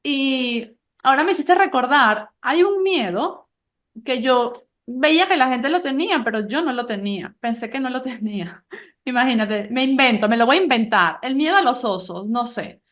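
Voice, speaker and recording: A high-pitched woman, hosting a podcast conversation. She tells personal stories animatedly, quoting herself and laughing along the way. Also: moderate pace. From Venezuela. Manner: warm, animated storytelling with laughs. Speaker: podcast host.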